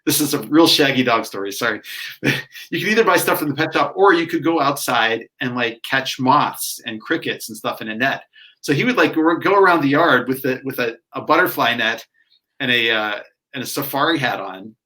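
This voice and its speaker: This man co-hosts a small local talk show, chatting casually and drifting through long stories. His voice has a bright, forward edge, and he keeps dropping "like" and "you know" between phrases at a middling pitch. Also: animated, normal speed. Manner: rambling, filler-heavy storytelling with frequent "like". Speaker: co-host. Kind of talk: casual chat.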